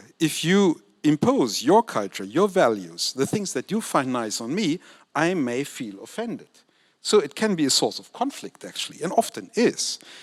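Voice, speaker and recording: A man with a German accent talks at a moderate pace, his pitch swinging very widely. The recording is very clean and dry, close up with a silent background and no echo. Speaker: diplomat. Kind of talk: panel discussion.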